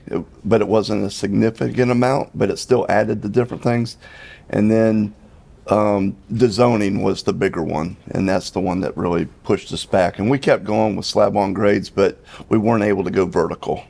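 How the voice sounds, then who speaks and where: A man reporting as a construction contractor, halting, with many fillers. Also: on the low side, gravelly, darkish tone. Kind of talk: project status report.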